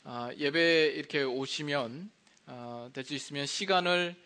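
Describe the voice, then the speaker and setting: A male pastor giving a conversational sermon in a church, often pausing with hesitation fillers between phrases. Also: fairly high pitch, sharp tone. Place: church sanctuary.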